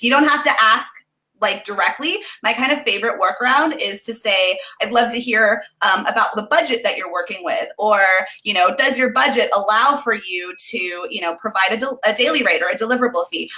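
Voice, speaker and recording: A woman's voice: medium pitch, sharp tone, low-quality recording. A young woman, a travel blogger, giving casual advice on a video call with frequent ums. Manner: chatty, upbeat, frequent ums. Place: home room indoors. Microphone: video call webcam.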